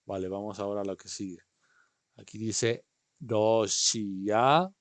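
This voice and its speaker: A man's voice: fairly low pitch, level tone, a little fast, darkish tone, no echo. A man teaching an online class, patiently explaining and often checking in with his students. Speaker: language teacher. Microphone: video call.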